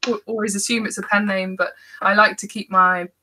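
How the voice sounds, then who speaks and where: A woman's voice: mid-range voice, little pitch movement, fairly quick, pushed and bright. A woman speaking as a guest author in casual, informal, self-deprecating podcast conversation.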